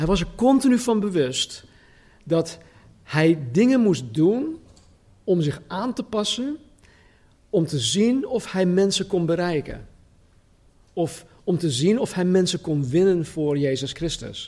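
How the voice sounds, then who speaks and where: Very slow and marked by long, frequent pauses, a man's high, dark and mellow voice makes very wide pitch swings. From US West Coast (California). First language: English (speaking Dutch). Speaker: pastor. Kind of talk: sermon. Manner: hesitant, many fillers and repetitions.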